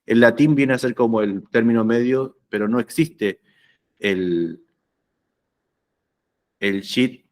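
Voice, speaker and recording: A man's voice: mid-range voice, slow pace, pauses often, darkish tone. A man giving an anatomy lecture, conversational and often checking that students follow. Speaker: anatomy teacher. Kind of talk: lecture explaining slides.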